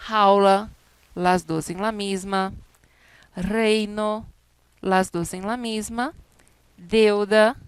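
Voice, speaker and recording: A woman gives a recorded Spanish lesson, working patiently through example words one by one. Her voice is smooth and clear, and the recording is dry and close, with no room sound around it. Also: mid-range voice, no echo. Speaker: Spanish teacher. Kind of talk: recorded class explanation.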